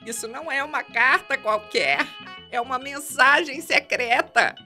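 An actress playing a grumpy, reclusive elderly retired detective in a radio drama, curt and dramatic. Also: female voice, high voice, measured pace, sharp tone, soft background music, exaggerated voice. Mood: grave, suspicious.

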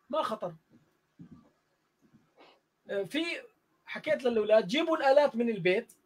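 High-pitched Jordanian man telling a story. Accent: Jordanian Arabic. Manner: animated, acts out dialogue in the story. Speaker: music teacher and guest musician. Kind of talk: casual storytelling in a live online interview.

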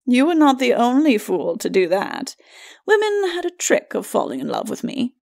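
Woman acting haughty, sneering skeleton lord, animated. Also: a little high, normal speed, vocal fry, full character voice. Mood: mocking, sardonic. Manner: haughty, mocking, archaic aristocratic speech. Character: bickering, sneering undead skeleton lord, a husband. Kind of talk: storybook character acting.

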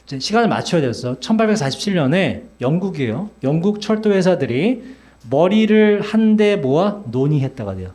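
Lively, chatty male English teacher. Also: a little high, moderate pace. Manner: chatty, teasing, addresses students directly. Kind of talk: classroom lecture.

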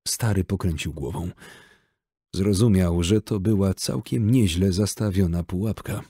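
Deep, husky-voiced male audiobook narrator. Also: measured pace, mellow, no echo, clean studio sound.

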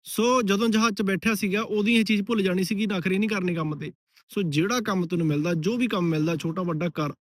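A man talks straight at the listener in a blunt, lecturing way, like an older friend setting someone straight. His voice sits high for a man. The recording is dry and close, with no room sound. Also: fast talker, no echo. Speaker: vlogger giving advice. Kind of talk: direct-to-camera advice talk.

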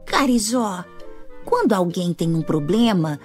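A woman voicing a gentle, devout mother hen in an animated children's storybook. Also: on the low side, a little slow, soft background music. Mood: encouraging.

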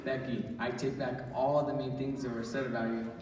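A man's voice: mid-range voice, little pitch movement, a little fast, darkish tone, natural voice. A man playing an eager, wisecracking, boastful boy in an amateur stage radio play. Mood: eager, joking. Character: eager, cheeky boy Sammy, joking, bossy little brother. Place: church stage before an audience. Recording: echoey church hall, distant, faint noise.

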